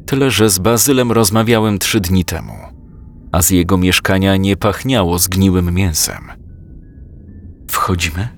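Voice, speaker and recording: Male narrator, low voice, measured first-person audiobook read over quiet music. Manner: calm, measured storytelling with quoted dialogue.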